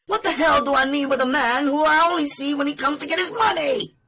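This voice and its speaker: A woman acting a high-pitched, brash young streetwalker. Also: fairly quick, a loud crowd. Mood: furious, defiant. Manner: emphatic, emotional, streetwise. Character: young defiant female street prostitute, brash and pleading. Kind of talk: dramatized audiobook character acting.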